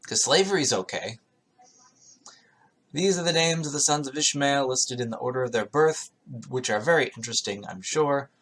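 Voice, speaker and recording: A man's voice: mid-range voice, expressive, normal speed, fairly bright tone. A man reading scripture aloud in a casual way, with wry, irreverent, sarcastic asides of his own.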